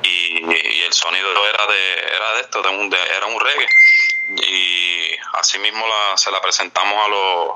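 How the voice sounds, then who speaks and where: A Christian musician and songwriter answering interview questions, devout and pausing often with filler words. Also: male voice, low-pitched, fairly even intonation, very noisy.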